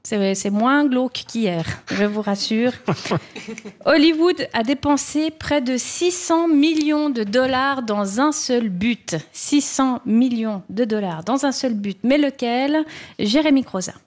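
A woman's voice: on the high side, takes it slowly, darkish tone. A woman hosting a comedy panel game, teasing the guests and introducing each one. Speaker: game show host.

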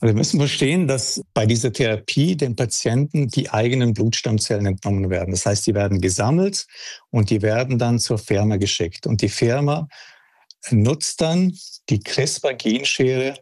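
A man who heads a medical institute, calmly explaining a therapy in a radio interview. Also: medium pitch, moderate pace, dry recording, studio quality. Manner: explanatory, calm.

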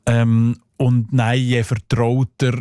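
A man with a Swiss German Sensler accent, a dialect expert talking thoughtfully on radio and pausing often to search for words. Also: medium pitch, level tone, dark tone, no echo, studio quality. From Switzerland. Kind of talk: relaxed radio conversation. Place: radio studio.

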